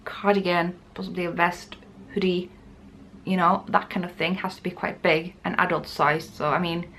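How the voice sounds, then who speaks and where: A woman's voice: fairly low pitch, level tone, normal speed, a bit bright, a little hiss or hum. A woman chatting casually and informally to camera as the host of a knitting podcast. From Norway.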